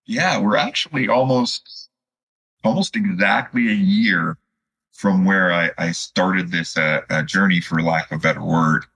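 A man in his fifties from Chicago, answering as a podcast guest in a conversational, halting and reflective way. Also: deep voice, sharp tone, breathy edge, low-quality recording. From Chicago, United States. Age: 50s. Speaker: podcast guest, student physical therapist.

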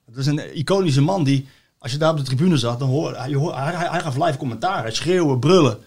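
A Dutch man chats casually about football, spinning long anecdotes. His voice sits in an ordinary middle pitch, and he stumbles through many restarts and fillers as he goes. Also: fairly quick, a little mellow.

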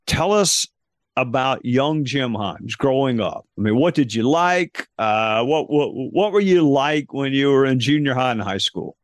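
A man hosting an interview podcast, speaking in a measured, thoughtful way with frequent fillers. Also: mid-range voice, animated, dry recording, studio quality. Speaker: podcast host. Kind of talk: conversational interview.

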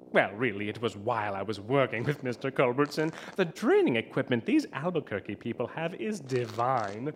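An actor playing a gleeful, unhinged mad scientist in an audio drama, with a theatrical, wildly swinging delivery. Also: male voice, medium pitch, slight background noise, lightly acted. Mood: gloating.

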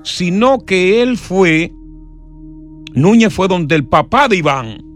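Un hombre que conduce un podcast y narra una historia con dramatismo, actuando las citas. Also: male voice, high voice, big pitch swings, slow, faint music behind. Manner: dramatic, acts out quotes. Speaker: podcast host, storyteller. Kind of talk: casual storytelling chat.

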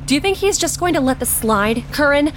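A woman's voice: sits high, lively intonation, fairly quick. A woman acting in an audio drama as an exasperated, protective young woman who also narrates in the first person. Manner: exasperated, sighing. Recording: engine and outdoor ambience noise.

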